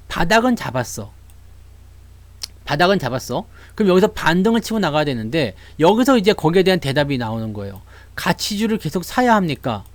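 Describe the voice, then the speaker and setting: A man hosting a casual live stream about the stock market, animated and chatty, talking straight to his viewers. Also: high voice, no echo. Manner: animated, acts out investors' voices.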